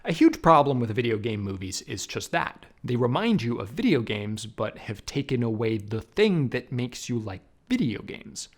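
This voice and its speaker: Animated male video essayist, lively pitch swings. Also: normal speed, few pauses. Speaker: film reviewer and essayist. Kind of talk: scripted video essay narration.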